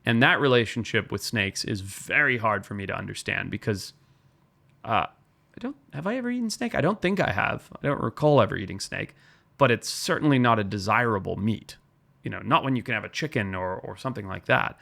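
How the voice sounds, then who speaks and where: Gravelly man telling wildlife stories. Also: on the low side, lively intonation, fairly quick, bright, forceful tone. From Zimbabwe. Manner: storytelling, earnest and explanatory. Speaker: wildlife biologist guest. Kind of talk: podcast interview talk.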